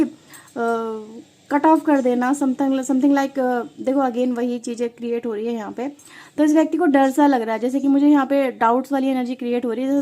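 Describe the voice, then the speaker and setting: Woman, high and mellow voice; chatty tarot reader talking to viewers. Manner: conversational, mixes English words, addresses viewers often. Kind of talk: casual tarot reading to viewers.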